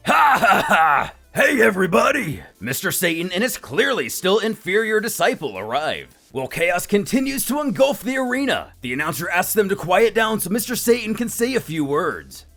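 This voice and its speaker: A man reading scripted manga narration as a dramatic, expressive storyteller. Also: high voice, moderate pace, hardly any pauses. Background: faint music.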